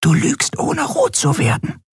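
A man's voice: measured pace, dry recording, clean studio sound, lightly acted. A man doing a tiny whispering creature woman. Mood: whispery. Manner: whispering, teasing. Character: tiny winged female companion creature.

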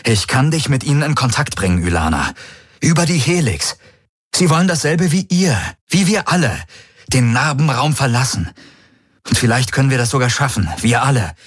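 A man's voice: mid-range voice, expressive, normal speed, husky, no room sound, studio quality, voice pushed up. A man voicing a desperate young man who pleads urgently with a woman he betrayed. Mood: pleading.

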